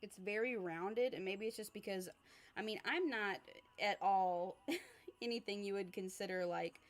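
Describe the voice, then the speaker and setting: A young woman livestreaming as an art creator, chatting casually and answering viewer comments while she sketches, with a relaxed, rambling manner. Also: mid-range voice, measured pace. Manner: frequent fillers and laughs, relaxed.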